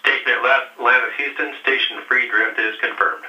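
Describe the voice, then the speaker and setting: A man's voice: mid-range voice, fairly even intonation, fairly quick, roomy sound, far from the mic. A man giving terse, procedural mission control calls over a crackly space-to-ground radio link. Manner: clipped, procedural. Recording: noisy lo-fi radio loop from afar.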